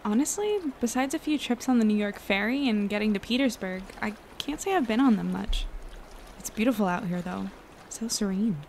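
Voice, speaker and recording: Creaky-voiced, easygoing young woman played by an actress. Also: medium pitch, fairly quick, a little mellow, a little hiss or hum, natural voice. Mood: relaxed. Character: relaxed, reassuring young woman, supportive sister. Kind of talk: naturalistic audio drama acting.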